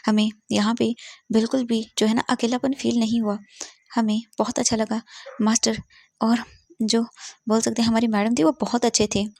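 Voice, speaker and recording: A woman's voice: a little high, little pitch movement, moderate pace, gravelly, a little mellow, no room sound, studio quality. A woman voicing a group of humble household servants who speak plainly and apologetically. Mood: apologetic.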